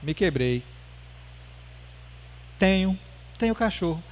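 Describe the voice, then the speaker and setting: A patient woman psychiatrist coaxes a child into talking, gentle and unhurried, as a man quotes her in a lecture. The voice sits a little high. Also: expressive. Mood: sheepish.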